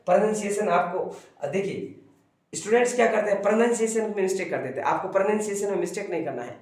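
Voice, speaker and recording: Echoey, high-voiced male English teacher. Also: quick pace, darkish tone. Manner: repeats key phrases, drills pronunciation. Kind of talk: classroom grammar lesson. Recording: echoey room, from a distance.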